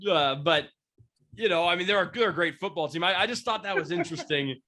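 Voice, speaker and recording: Congested from a cold, a young Seattle-area man in his twenties hosts a casual sports podcast in a high-leaning voice that is quick, bright and forceful. The sports beat writer rambles, full of fillers and restarts.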